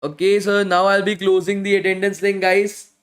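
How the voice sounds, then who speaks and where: A man teaching a live online bootcamp speaks at a moderate pace in a high, level, slightly bright voice. He answers questions casually and repetitively, often closing with "guys," while his voice suffers from talking each day.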